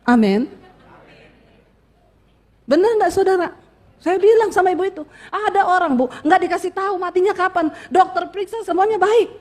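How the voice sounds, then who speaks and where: A middle-aged woman pastor from Indonesia, preaching a lively sermon and calling out to her congregation. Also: very high voice, moderate pace, pauses often.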